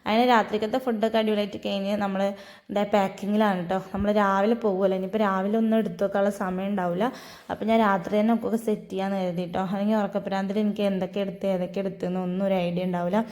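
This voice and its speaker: Fast, chatty young woman. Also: mid-range voice, level tone, a little mellow. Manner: chatty, storytelling, frequent tag "ട്ടോ". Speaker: vlogger. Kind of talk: casual vlog voice-over.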